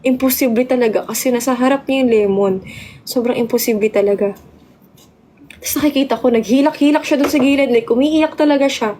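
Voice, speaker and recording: A young woman telling a story on a casual live stream, chatty and excitable. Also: high voice, fairly quick, a little hiss or hum. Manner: chatty, excitable, mixes Tagalog and English.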